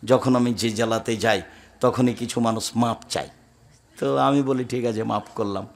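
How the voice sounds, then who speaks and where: A man preaching a sermon who speaks hard and forcefully, with emphatic rhetorical questions. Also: medium pitch, steady tone, normal speed, gravelly. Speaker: Islamic preacher. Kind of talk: Bengali waz sermon.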